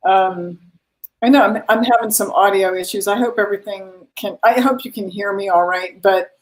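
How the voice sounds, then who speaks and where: A woman's voice: medium pitch, normal speed, rough recording. A woman hosting a live online event, chatting casually and greeting viewers.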